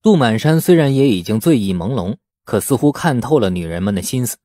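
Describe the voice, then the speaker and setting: Animated male audiobook narrator. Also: mid-range voice, brisk, dry recording, studio quality. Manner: expressive storytelling. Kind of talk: scripted dramatic novel narration.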